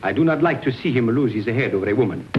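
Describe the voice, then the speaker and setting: An actor with an Italian accent playing a boisterous, drunken army officer who teases, laughs and mocks in theatrical 1930s film style. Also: male voice, mid-range voice, expressive, fast, close to an everyday voice. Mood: brusque. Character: boisterous drunken male officer, teasing and swaggering. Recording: muffled old film soundtrack with hiss.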